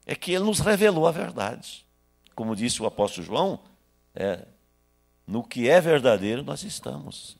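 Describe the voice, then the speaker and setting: A man in his sixties from Brazil, preaching a sermon into a handheld microphone in a small church hall, swinging between loud bursts and hushed asides. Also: mid-range voice, very animated, moderate pace, gravelly. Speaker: pastor.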